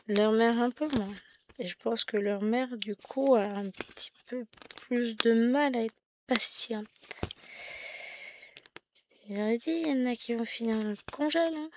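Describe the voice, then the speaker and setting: A woman's voice: fairly high pitch, noisy background. A middle-aged woman from France chatting casually about her stitching, rambling and poking fun at herself. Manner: chatty, rambling, self-mocking with many asides and restarts. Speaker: cross-stitch vlogger. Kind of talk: casual chat.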